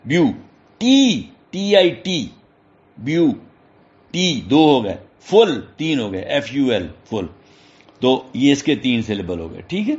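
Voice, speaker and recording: A man's voice: medium pitch, very animated, muffled recording. Patient male teacher spelling words. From Pakistan. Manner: checks in often with short questions. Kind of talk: classroom lesson explaining English syllables.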